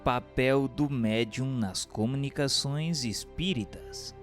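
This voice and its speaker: A man's voice: medium pitch, slow, soft background music. A man reading scripted radio drama narration and posing questions in a formal, enunciated way.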